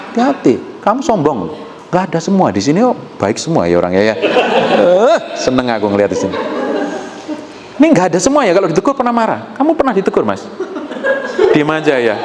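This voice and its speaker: A male pastor, preaching a sermon and teasing the congregation, swinging between quiet asides and loud outbursts. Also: a little high. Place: church hall with a congregation. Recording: echoey hall with faint room noise.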